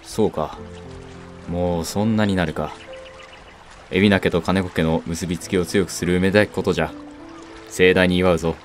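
A man's voice: deep voice, fairly even intonation, normal speed, long pauses, soft background music, close to an everyday voice. A man playing a proud, fatherly samurai castle lord in a period voice drama, speaking in an archaic, lordly way. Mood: warm, stately. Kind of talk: Japanese period voice drama acting.

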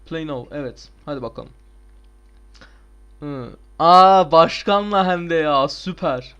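A young man giving casual, excitable gameplay commentary, swearing and shouting at the game. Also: a little high, slow, smooth. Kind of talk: casual let's play commentary.

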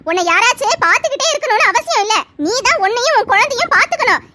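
A woman voicing a calm cartoon doctor who lectures and scolds kindly, with loud noise behind. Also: extremely high pitch, fast. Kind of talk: cartoon voice acting.

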